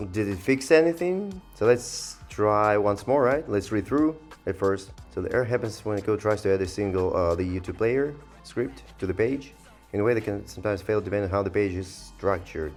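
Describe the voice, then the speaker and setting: A man giving a casual, rambling software review, thinking aloud in a hesitant and sardonic way as he goes. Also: on the low side, lively intonation, normal speed, faint music behind. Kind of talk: casual screen-recorded review commentary.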